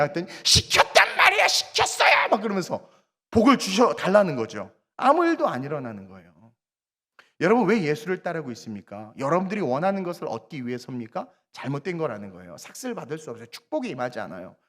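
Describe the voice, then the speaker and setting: Lively preacher in a reverberant sanctuary. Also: male voice, a little high, fast talker. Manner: animated, swings between loud bursts and quiet asides, acts out dialogue. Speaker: guest preacher at a revival service. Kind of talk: sermon. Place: church sanctuary. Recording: long church reverb.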